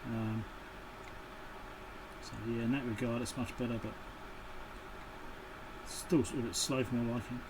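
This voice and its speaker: A man's voice: mid-range voice, little pitch movement, unhurried, long pauses, noisy background. A man giving an off-the-cuff, casual running commentary as he does hands-on work, with muttered asides. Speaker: electronics repair channel host. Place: indoor electronics workbench.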